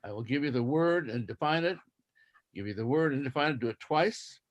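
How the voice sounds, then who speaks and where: A man acting as toastmaster of a speech contest, explaining rules methodically and repeating himself deliberately. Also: mid-range voice, animated.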